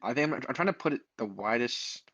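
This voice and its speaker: A man's voice: medium pitch, animated, quick pace, a bit bright, no room sound, highs cut off. A young man playing a tabletop game, hesitantly thinking through his options and the rules aloud. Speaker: player. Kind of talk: casual tabletop play.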